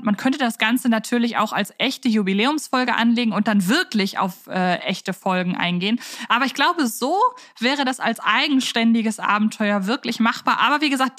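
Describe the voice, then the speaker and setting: A woman's voice: medium pitch, fairly bright tone, dry recording, clean studio sound. A woman hosting a casual fan podcast, talking in an enthusiastic, chatty way. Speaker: podcast host.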